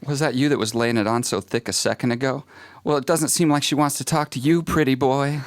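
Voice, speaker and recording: A man's voice: mid-range voice, steady tone, fairly quick, no room sound, natural voice. An actor playing a cocky, sardonic young ladies' man in audio drama dialogue, dry and flippant. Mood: smug, defensive.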